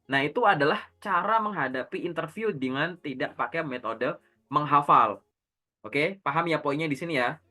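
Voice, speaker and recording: A man's voice: a little high, pushed and bright. A man working as a career coach, giving direct, instructive advice in casual one-on-one talk and answering his own rhetorical questions. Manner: asks rhetorical questions and answers them himself; direct, instructive, uses everyday slang.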